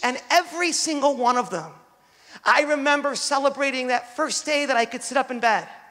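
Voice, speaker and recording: A man's raised, projected voice at an extremely high pitch, with an American accent and a quiet background. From US Midwest. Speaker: judge. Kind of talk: keynote speech. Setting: stage with audience. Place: hall. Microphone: handheld.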